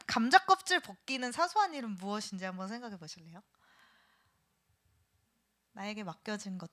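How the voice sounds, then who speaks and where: A middle-aged woman lecturing in a church classroom, asking the class questions and sometimes dropping to a whisper. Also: medium pitch. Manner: animated, asks the class questions, drops to a whisper at times. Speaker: seminary lecturer.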